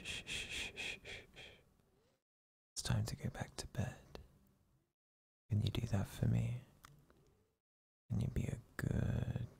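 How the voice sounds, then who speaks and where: A man voicing a doting, possessive boyfriend in an ASMR roleplay who whispers slowly to lull the listener to sleep. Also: fairly low pitch, exaggerated voice. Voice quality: whispery, gravelly, breathy. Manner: slow, soothing, coaxing hush.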